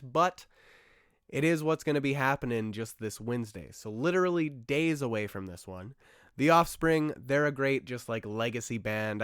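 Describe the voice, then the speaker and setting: A young man rambling through a solo podcast episode, rushing into excited bursts and trailing off into asides. His voice sits in a middle pitch with a smooth, resonant core, though it has gone a little rough. The sound is dry and close, with no room around it. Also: no echo. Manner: enthusiastic, rambling, with frequent fillers and asides. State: slightly rough, losing his voice. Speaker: podcast host.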